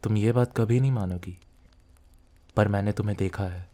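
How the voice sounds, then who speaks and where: A possessive mafia boss acted by a man speaks intimately in a low, dark, relaxed male voice. He is controlling and teasing, with a quiet threat under his words, in the close style of an ASMR roleplay. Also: moderate pace, lightly acted. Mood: seductive, possessive.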